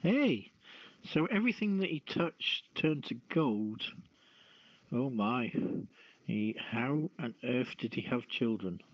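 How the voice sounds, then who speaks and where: A man's voice: mid-range voice, expressive, slow pace, no room sound. A man hosting a podcast, chatting casually with the group. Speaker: podcast host. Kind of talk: casual chat. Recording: dull, lo-fi online audio.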